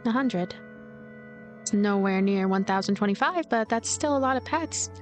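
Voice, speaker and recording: A woman's voice: mid-range voice, animated, normal speed, natural voice. A woman voicing a lonely, stubborn ghost girl in a visual novel, blunt and earnest. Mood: puzzled. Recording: music behind the voice.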